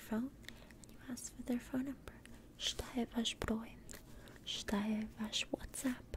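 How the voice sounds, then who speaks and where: Very slow whispering from a woman. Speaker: ASMR creator. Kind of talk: ASMR language lesson. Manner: whispered, soft-spoken. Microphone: studio mic.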